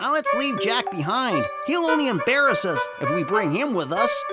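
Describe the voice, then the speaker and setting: A man puts on a cartoonish character voice with an extremely high pitch. He talks at a moderate pace while loud music plays in the background. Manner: smug, mocking.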